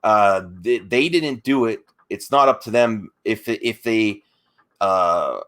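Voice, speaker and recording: Halting, argumentative man in online debate. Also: lowish voice, a bit bright. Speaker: debate guest.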